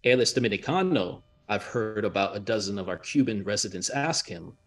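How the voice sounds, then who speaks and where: Low-voiced man, halting with frequent laughs. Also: animated, soft background music. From United States, of Jamaican family. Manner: halting, many fillers, laughs often. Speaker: author. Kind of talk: interview talk and reading from his book.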